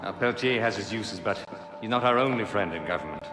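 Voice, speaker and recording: A man's voice: fairly low pitch, lively intonation, a little fast, natural voice. An actor playing a commanding male grandmaster of a secret order in a video game, formal and authoritative. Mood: measured, commanding. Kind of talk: game dialogue acting. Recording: echoey hall, loud music behind.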